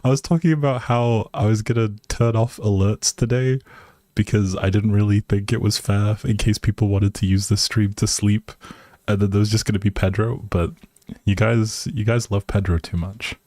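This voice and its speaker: A man's voice: on the low side, steady tone, moderate pace, mellow, no room sound, clean studio sound. A man hosting a casual livestream, chatting to viewers in a hesitant, rambling, appreciative way. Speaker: live streamer, host.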